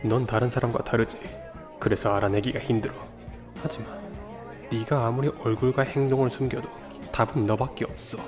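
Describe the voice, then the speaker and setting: A man's voice: medium pitch, fairly even intonation, brisk, over music, close to an everyday voice. A man playing a confident young detective in a student radio drama, cool and assertive. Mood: accusing.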